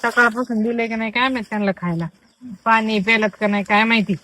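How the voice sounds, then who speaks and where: A woman's voice: fairly high pitch, steady tone, quick pace, bright, forceful tone, no room sound, poor audio. A young woman with a rural Marathi accent talking to herself during farm chores, grumbling and scolding the animals. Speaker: farm housewife vlogger. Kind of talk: casual monologue during chores. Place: rural farmyard outdoors with goats.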